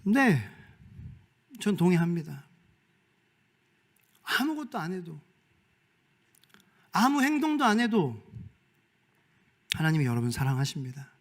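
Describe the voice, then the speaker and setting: A man preaching a Sunday sermon as pastor, moving between quiet asides and loud, shouted calls. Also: fairly high pitch, sing-song, unhurried, long pauses. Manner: swings from soft whispers to loud shouted calls.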